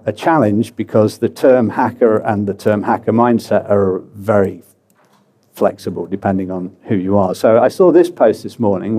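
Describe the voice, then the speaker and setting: British man, low mellow voice. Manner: relaxed, chatty, many fillers and self-deprecating asides. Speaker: conference speaker. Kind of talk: presenting a conference talk. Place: conference hall.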